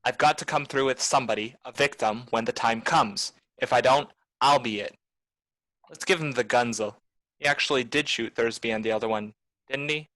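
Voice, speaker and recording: A man's voice: mid-range voice, moderate pace, pushed and bright, no echo, close to an everyday voice, poor audio. A man playing a cool, shrewd private detective in a film noir radio play, with a clipped, tough delivery. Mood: cool, insistent. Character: hard-boiled male private detective, cool, shrewd, commanding.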